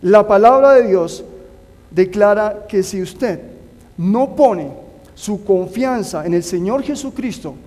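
A man's voice: high voice, lively intonation, takes it slowly, darkish tone. A man preaching a sermon, earnestly urging his listeners to put their trust in God. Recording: long hall reverb.

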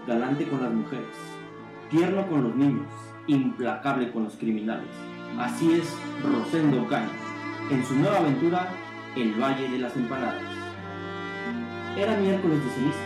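An emphatic narrator introduces a melodramatic radio serial in announcer style. The voice carries an echoey room tone. Violin music plays clearly behind it. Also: medium pitch. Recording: roomy echo with violin music.

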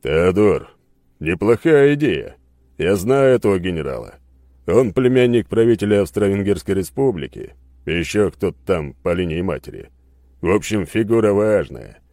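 A man voicing a calm, matter-of-fact male comrade soldier in an audiobook. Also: low voice, normal speed, no room sound, clean studio sound.

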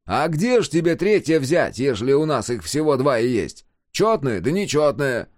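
A man's voice: mid-range voice, very animated, measured pace, darkish tone, dry recording, clean studio sound, pitched above the performer's own voice. A man voicing a sly, grinning working man who jokes and explains things in a knowing, teasing way, in an audiobook. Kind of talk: audiobook character voice.

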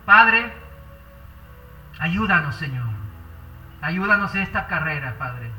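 A man preaching a sermon and leading a prayer, fervent, drawing out key words slowly. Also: a little high, expressive, sharp tone, soft background music. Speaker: pastor. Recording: roomy echo, far from the mic.

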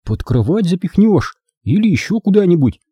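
A man's voice: high voice, very animated, moderate pace, mellow, slightly rough, dry recording, voice pushed up, exaggerated voice. A male audiobook reader voicing an eager schoolboy who pleads and protests. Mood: pleading.

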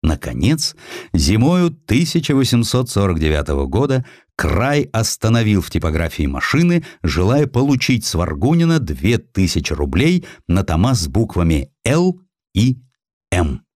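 A man narrating a historical literary sketch in an expressive, theatrical storytelling manner. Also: lowish voice, moderate pace, dry recording, studio quality. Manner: theatrical, acts out dialogue. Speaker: audiobook narrator.

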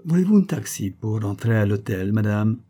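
A man voicing a proud, courteous old jeweller with a flattering, salesmanlike manner, in a storybook reading. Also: on the low side, moderate pace. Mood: solicitous. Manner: obsequious, salesmanlike, ornate politeness.

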